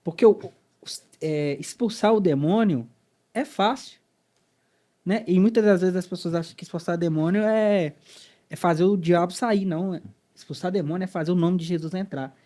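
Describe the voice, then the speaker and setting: A podcast host from Minas Gerais with a mellow, darker tone that sits a little high for a man. He talks casually and reacts with short interjections before asking his next question. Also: moderate pace. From Minas Gerais, Brazil. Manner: reacts with short exclamations, then asks follow-up questions.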